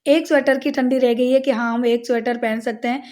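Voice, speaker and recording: A woman's voice: a little high, fairly even intonation, fairly quick, darkish tone. A young woman from India chatting casually to viewers about her household routine in a home vlog. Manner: chatty, addresses viewers directly. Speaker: family vlogger.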